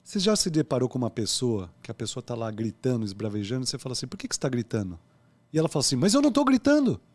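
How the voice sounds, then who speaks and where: A man from Brazil, a consultant guest in an interview, explaining ideas calmly with analogies. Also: mid-range voice, rapid-fire. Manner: calm, explanatory, uses analogies.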